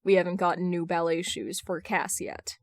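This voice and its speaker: A woman voicing a gloomy, condescending, stoic man with terse deadpan delivery in audiobook dialogue. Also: on the low side, normal speed, no echo, clean studio sound, natural voice. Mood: gloomy, matter-of-fact. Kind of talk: fan fiction audiobook dialogue.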